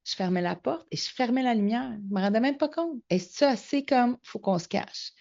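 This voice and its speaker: A woman's voice: a little high, fairly quick, creaky. A middle-aged woman with a Québécois French accent, a guest telling her story in a casual interview and acting out the voices she quotes. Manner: animated storyteller, acts out quoted dialogue. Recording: slightly muffled lo-fi audio.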